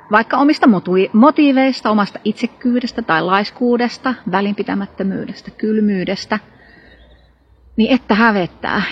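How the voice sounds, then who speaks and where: A woman's voice: mid-range voice, a little hiss or hum. A woman preaching a sermon, retelling a Bible story with earnest emphasis and rhetorical questions. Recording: dull lo-fi recording.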